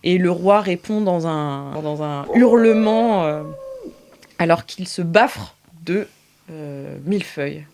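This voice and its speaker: A woman's voice: on the low side, slow, a little mellow. A woman running an improvised tabletop game as game master, narrating casually and hesitantly in a studio. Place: recording studio. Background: music.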